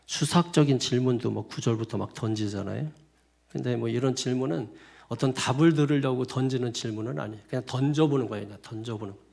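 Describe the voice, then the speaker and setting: A man's voice: mid-range voice, fast talker, vocal fry, a little mellow. A male pastor giving a sermon in a loose, conversational manner, often repeating himself and laughing at his own asides. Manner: colloquial, repetitive, chuckling asides.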